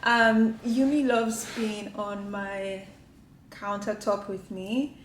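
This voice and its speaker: A woman's voice: medium pitch, steady tone, takes it slowly, slight background noise. A woman vlogging to camera from her home kitchen, chatting casually and rambling with lots of "like" fillers. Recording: echoey room with faint ambience.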